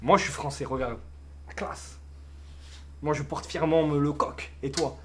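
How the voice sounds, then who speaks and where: A man with a fairly high voice banters on a casual livestream. He teases and keeps repeating his questions. Faint noise and room sound sit behind him. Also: moderate pace, a bit bright. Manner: teasing, needling, repetitive questioning. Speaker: livestream co-host.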